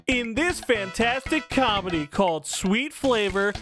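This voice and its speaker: A man's voice: high-pitched, animated, a little slow. A man hosting a scripted comedic review, talking casually with swearing and exaggerated emphasis over music. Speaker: video host and game reviewer. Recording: music under the voice. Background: background music.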